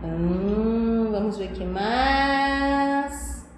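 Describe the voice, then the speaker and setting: A woman's voice: on the high side, very slow. A Brazilian woman teaching young children in a video lesson, coaxing and sing-song, full of questions. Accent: Brazilian Portuguese. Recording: very echoey room, faint noise.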